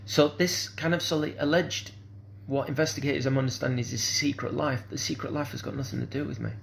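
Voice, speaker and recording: A man's voice: medium pitch, steady tone, fast, gravelly, slight background noise. A man, speaking in a rambling, hesitant monologue full of fillers and restarts. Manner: hesitant, repeats "kind of sort of", restarts often.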